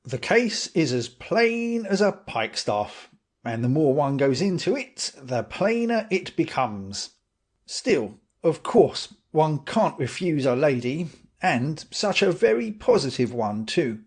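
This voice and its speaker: A man voicing a self-assured police inspector, slow and pompous in a raised voice. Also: a little high, big pitch swings, husky, pitched above the performer's own voice, full character voice. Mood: smug.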